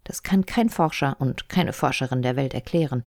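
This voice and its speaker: A woman's voice: extremely low pitch, normal speed, darkish tone, no room sound, clean studio sound. A woman voicing a nervous eight-year-old boy in a storybook reading, hesitant and trying to sound clever. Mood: explaining.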